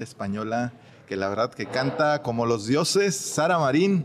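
A man's voice, pitched in the middle of his range, comes through at an even, moderate speed against noticeable background noise. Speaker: podcast host. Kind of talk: casual interview chat. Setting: at a golf venue.

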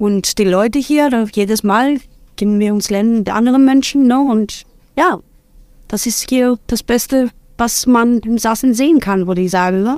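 This woman talks at a moderate pace, her fairly high pitch showing ordinary variation. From Greece, near Turkish border. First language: Greek (speaking German). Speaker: fish restaurant employee. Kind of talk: interview.

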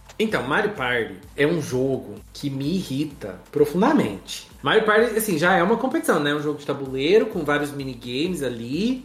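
A man talks at a moderate pace with a fairly high pitch, very wide pitch swings and hardly any pauses. Noticeable background noise and audible room echo fill the recording. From Brazil. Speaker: podcast host. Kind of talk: casual chat.

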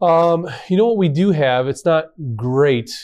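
An ordinary speaking voice moves at a fairly slow pace with ordinary pitch variation against a quiet background. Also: man. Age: 40s. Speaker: podcast co-host and company co-founder. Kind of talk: casual chat. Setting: studio.

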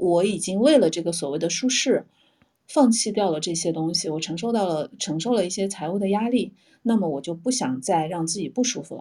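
Delivered at a fairly quick pace with lively intonation, this is a normal speaking voice. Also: woman, medium pitch for a woman. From northwestern China. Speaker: columnist. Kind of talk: casual chat.

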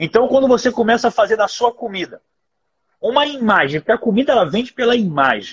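At a fairly quick pace, a man speaks in a high voice. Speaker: business mentor. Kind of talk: live stream mentoring. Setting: live video stream. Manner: animated.

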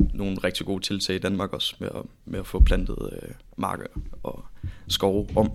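A man speaks at a moderate pace in an unremarkable speaking voice. His pitch is fairly low, with ordinary variation. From Denmark, Viborg area (central Jutland). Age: 20s. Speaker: startup founder and CEO. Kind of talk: casual interview.

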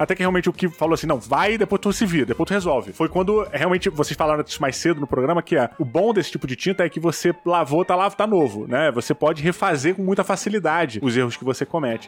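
A very fast, animated man with a high pitch, lively intonation and hardly any pauses, with music in the background. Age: 40s. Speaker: podcast host. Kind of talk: casual chat.

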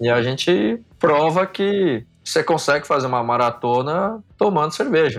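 In a plain, everyday voice, a man speaks at a fairly slow pace with lively intonation. The background is quiet. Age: 40s. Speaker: physical trainer and running coach. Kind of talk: casual chat.

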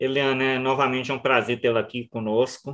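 The man speaks with monotone, flat intonation. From Minas Gerais, Belo Horizonte. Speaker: radio host. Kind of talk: interview.

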